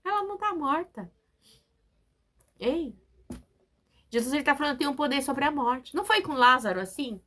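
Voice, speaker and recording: Bright-voiced woman preaching emphatically. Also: sits high, brisk. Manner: emphatic, repetitive, with frequent tag questions. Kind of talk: sermon.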